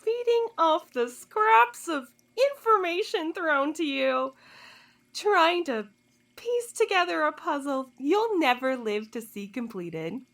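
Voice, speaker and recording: A woman's voice: high-pitched, very animated, slow pace, fairly bright tone, exaggerated voice. An actress playing a haughty, sardonic woman cultist in an audio drama, speaking in theatrical, disdainful phrases. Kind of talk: scripted audio drama acting.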